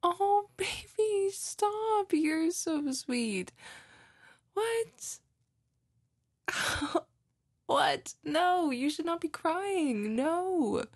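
A woman's voice: very high voice, expressive, very slow, long pauses, dry recording, exaggerated voice. A woman playing a doting, lovey girlfriend in an intimate, cooing roleplay ASMR, tenderly comforting and gushing over her partner up close. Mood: playfully incredulous, gushing. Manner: cooing, gushing, breathy, often giggling. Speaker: roleplay audio performer.

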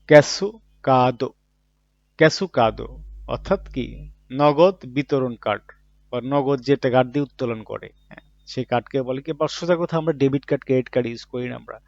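In a dull, muffled recording from a dry room with no room sound, a man gives a Japanese vocabulary lesson in Bangla. His medium-pitched voice is brisk, gravelly and a little mellow. He says each word, explains it with everyday examples, and often asks a question and answers it himself.

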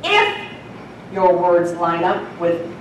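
A woman with a lowish, very animated voice takes her time teaching the Bible to churchgoers, folksy and talkative, laughing frequently. Captured from afar in an echoing church sanctuary, the clip carries a little background noise.

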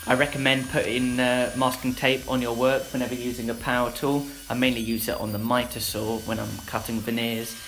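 A young man narrating a woodworking build in a relaxed voice-over, with frequent filler sounds. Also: medium pitch, a little fast, few pauses, a little hiss or hum, low-quality recording. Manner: plain, easygoing, frequent "uh" fillers. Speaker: woodworking channel host. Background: background music.

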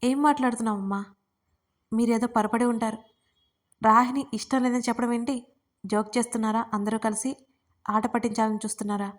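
A woman's voice: a little high, steady tone, brisk, long pauses, natural voice. A woman voicing a young man, an insistent and shaken fiancé, in a storybook reading. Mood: disbelieving. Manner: pleading then insistent, raising his voice.

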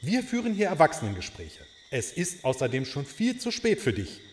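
A man's voice: fairly high pitch, huge pitch swings, normal speed. A man playing a courteous maharaja in an audio drama, an indulgent father with ornate, hemming speech. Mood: firm fatherly. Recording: long reverb, faint noisy ambience.

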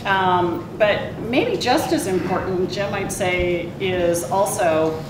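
Brief: woman panelist, chatty, laughs easily, lowish voice, echoey seminar room. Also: lively intonation, takes it slowly. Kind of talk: panel discussion. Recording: roomy echo, distant, background hum.

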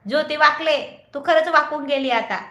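A woman's voice: sits high, normal speed, a bit bright, reverberant, dull audio. A woman hosting a casual livestream, chatting and teasing viewers by their comments and laughing often. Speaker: livestream host. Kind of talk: casual live chat reading viewer comments.

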